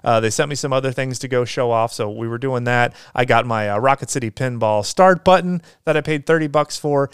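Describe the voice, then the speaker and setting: Upbeat rambling man with a smooth voice. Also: mid-range voice, a little fast, hardly any pauses, no room sound, clean studio sound. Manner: rambling, upbeat, many fillers and restarts. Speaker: podcast host. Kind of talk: casual solo podcast chat.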